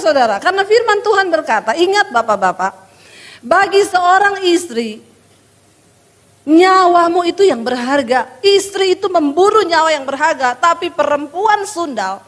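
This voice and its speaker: High-voiced woman preaching in a reverberant hall. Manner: addresses the congregation as "saudara", emphatic and dramatic. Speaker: pastor. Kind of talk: sermon with personal testimony.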